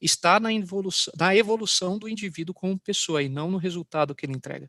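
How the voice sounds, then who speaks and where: With a São Paulo countryside accent, a man speaks at a high pitch in a bright, sharp tone, with ordinary pitch variation and a dry, close sound with no echo against a quiet background. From interior of São Paulo state, Brazil. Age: 30s. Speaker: business executive. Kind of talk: interview answer.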